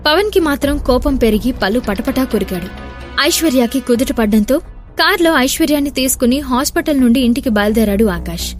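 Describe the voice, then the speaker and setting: A woman narrates a dramatic audio story in a high, clear voice, voicing every character herself and giving the angry ones loud, shouted lines. A soft music bed runs quietly beneath her. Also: expressive, a little fast. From Telugu-speaking India.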